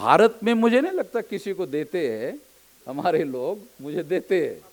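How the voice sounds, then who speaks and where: This man speaks with a Marathi accent and a high pitch. His pitch swings very widely. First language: Marathi (speaking Hindi). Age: 60s. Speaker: social movement leader. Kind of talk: public speech.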